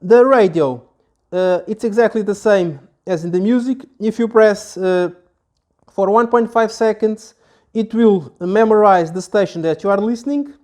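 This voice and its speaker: High-pitched man. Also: normal speed, a little mellow. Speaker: product reviewer. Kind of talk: casual product demonstration. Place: small office, indoors.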